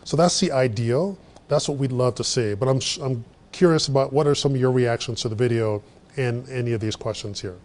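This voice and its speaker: A middle-aged man leading a workshop in a meeting room, telling stories in a lively, conversational way. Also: medium pitch, a little fast, a little hiss or hum. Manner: animated storyteller, gestures widely. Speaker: workshop presenter. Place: meeting room with projector screen.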